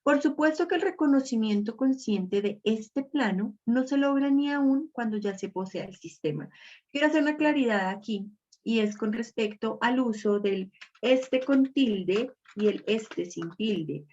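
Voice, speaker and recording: A woman's voice: a little high, animated, a little slow, a little mellow. A woman teaching an online reading class, explaining step by step and checking understanding with little question tags. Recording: dull lo-fi audio.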